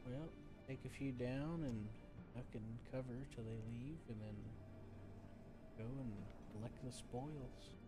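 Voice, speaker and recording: A man's voice: medium pitch, a little slow. Matter-of-fact man advising over game music. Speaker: gaming companion giving advice. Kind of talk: casual gameplay chat.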